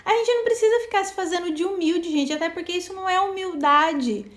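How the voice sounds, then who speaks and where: A woman's voice: extremely high pitch, fast, echoey room. A woman co-hosting a self-help live talk, casually explaining and acting out little dialogues. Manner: animated, acts out little dialogues. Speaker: co-host of a self-knowledge live.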